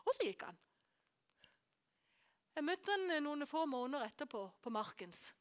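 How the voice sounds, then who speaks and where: A woman preaching a sermon, telling a story with animation and dropping to hushed whispers for emphasis. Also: high voice, big pitch swings. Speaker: preacher and course teacher.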